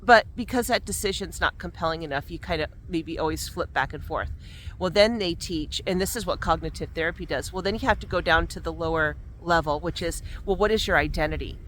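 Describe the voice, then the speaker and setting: A vlogger with a lowish, fairly bright voice talks a little fast while walking outdoors in cold, windy weather, her lips numb from the cold. She is chatty and reflective about self-help ideas, often restarting her sentences.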